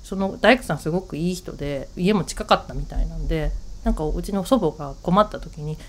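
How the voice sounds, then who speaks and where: A woman hosting a radio talk show, chatting on her own and telling a family story in an animated way, acting out what her relatives said. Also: low-pitched, a little fast, slight background noise. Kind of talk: casual solo storytelling.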